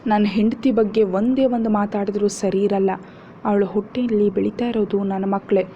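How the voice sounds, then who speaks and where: A woman's voice: mid-range voice, fairly even intonation, normal speed, lightly acted. A woman voicing a protective, devoted young husband who speaks firmly, on a dull lo-fi recording with faint hiss. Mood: angry. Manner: firm and scolding, then soft and tender.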